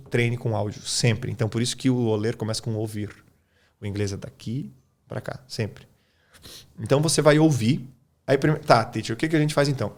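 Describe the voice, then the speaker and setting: A man from Brazil, an English teacher on a podcast, explaining his method in an informal way and often checking that the listener follows. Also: mid-range voice. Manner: informal, keeps checking in with "tá?" and "cara". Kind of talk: casual explanatory podcast talk.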